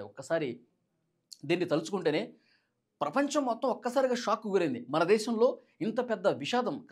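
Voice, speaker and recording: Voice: mid-range voice, breathy edge. A Telugu news presenter giving explanatory commentary in a dramatic, emphatic manner, repeating key points.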